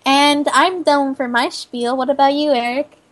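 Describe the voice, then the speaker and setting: Tired high-voiced woman host. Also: fairly even intonation, measured pace. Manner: chatty, rambling sign-off. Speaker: podcast host. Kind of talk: casual chat.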